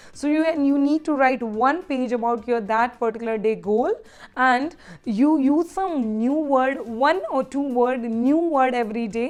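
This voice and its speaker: Speaking with an Indian accent at a fairly slow pace, a woman uses a high pitch with ordinary pitch variation. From Delhi, India. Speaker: teacher. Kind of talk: casual talk to camera.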